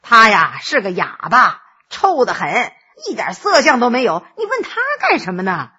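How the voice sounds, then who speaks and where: A woman's voice: on the high side, very animated, normal speed, pushed and bright, breathy edge, pitched below the performer's own voice, full character voice. A woman voicing a jovial, scheming male scholar who teases and boasts with lots of interjections, on a dull lo-fi recording. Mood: dismissive. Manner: teasing, boastful, many interjections.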